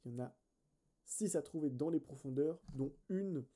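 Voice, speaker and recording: Very dark-voiced man thinking aloud. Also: a little high, normal speed. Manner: thinks aloud, hesitant and self-correcting; chatty, addresses viewers directly. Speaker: let's play host. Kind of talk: casual gameplay commentary.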